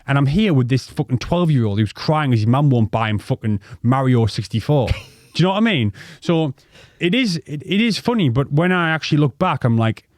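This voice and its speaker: Casual storytelling chat from a podcast co-host: a man in his thirties with a North East English accent, rambling through life stories with swearing, ums and restarts. His mid-range voice is expressive and a little fast, with hardly any pauses. The sound is clean studio audio with no room sound.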